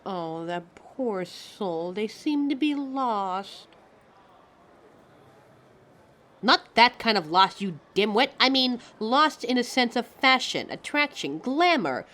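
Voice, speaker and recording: A woman's voice: fairly high pitch, expressive, slow, hardly any pauses, fairly bright tone. A woman playing a vain, easily offended talking fashion mannequin in a scripted audio roleplay, theatrical, condescending and fussy. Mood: intrigued, condescending. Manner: theatrical, condescending, fussy, calls listeners darling.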